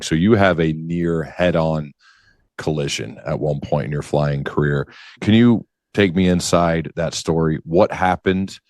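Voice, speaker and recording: A man with a very deep voice hosts a podcast, asking his guest questions in a calm, encouraging way. His voice is recorded close and dry, with no room echo at all. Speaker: podcast host. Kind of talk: interview questions.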